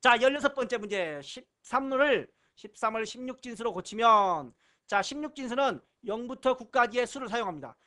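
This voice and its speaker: A man with a very high-pitched voice gives an exam-prep lecture. He talks through the material in a teacherly way, repeating key terms and breaking it up with playful puns and asides. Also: lively intonation, normal speed, bright, forceful tone. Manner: jokey asides and puns between explanations; repeats key terms, often starting lines with "자". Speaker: computer certification instructor.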